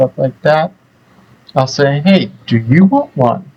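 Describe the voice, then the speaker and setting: Somewhat breathy, the voice moves at a fairly slow pace. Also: man. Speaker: toy unboxing youtuber. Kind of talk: casual vlog chat. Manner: halting.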